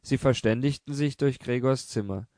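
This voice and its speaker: A man narrating a literary audiobook in a measured, even storytelling manner. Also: medium pitch, no room sound, studio quality.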